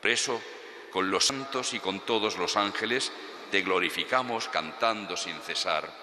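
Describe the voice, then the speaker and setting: A man, a Catholic priest, reciting Mass prayers solemnly in measured, formal phrases with a cathedral echo. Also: on the low side, pushed and bright. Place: large reverberant church. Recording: cathedral-like echo, long reverberant church acoustics.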